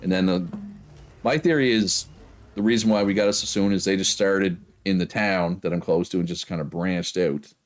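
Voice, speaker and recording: On a game livestream, a man with a Prince Edward Island Canadian accent chats casually with viewers, rambling along and often checking in with "right?". His voice sits low and he talks at normal speed.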